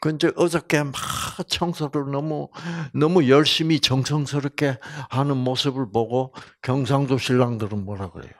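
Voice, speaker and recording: A man's voice: mid-range voice, steady tone. A man with a Gyeongsang accent giving a health lecture, drawing out his words and sometimes dropping to a whisper. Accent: Gyeongsang Korean. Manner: drawn-out, dropping to a whisper at times.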